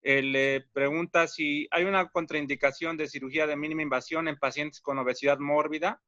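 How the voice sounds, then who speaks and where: A man's voice: fairly high pitch, steady tone, fairly quick, bright, forceful tone, dry recording. A man moderating a session, courteously relaying audience questions to the speaker. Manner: courteous, deferential. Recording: dry, muffled line.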